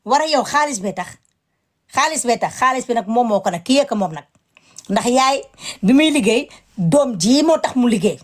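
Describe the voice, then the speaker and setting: A woman's voice: a little high, lively intonation, normal speed. A woman giving impassioned commentary, indignant and emphatic, repeating her words.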